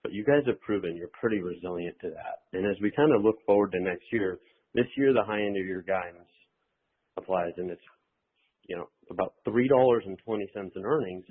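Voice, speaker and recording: A man with a very low, husky voice speaks as an investor caller over a tinny phone line. He gives conversational financial commentary and advice. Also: fairly quick. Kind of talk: informal spoken financial commentary. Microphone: telephone.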